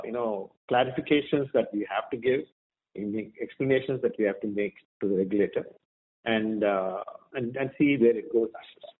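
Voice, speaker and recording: A man with an Indian accent speaking as a company executive, giving measured, explanatory answers with hesitant pauses on an earnings call. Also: medium pitch. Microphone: conference call line. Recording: tinny narrow-band conference phone line.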